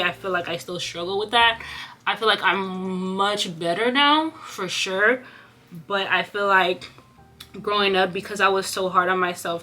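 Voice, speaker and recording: A woman's voice: medium pitch, pushed and bright. Earnest young woman who stutters. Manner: stutters, with repeated words and restarts; earnest, reflective, addresses viewers directly. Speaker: vlogger. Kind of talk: candid personal vlog talk.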